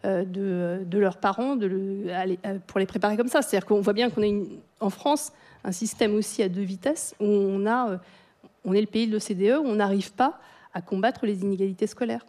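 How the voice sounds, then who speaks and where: A woman's voice: medium pitch, a little fast, dark tone. A woman speaking as a radio guest on education, hesitant and full of fillers.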